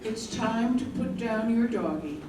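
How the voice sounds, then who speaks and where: A woman's voice: a little high, expressive, unhurried. A woman reading as an ensemble narrator in a scripted staged play reading. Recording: very echoey stage, distant mic, noise.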